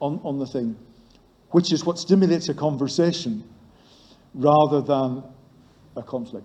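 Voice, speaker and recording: Somewhat breathy and dark, mellow in tone, a man at fairly high pitch speaks with lively intonation in a Northern Irish accent. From Northern Ireland. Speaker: psychiatrist and politician. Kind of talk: lecture Q&A answer.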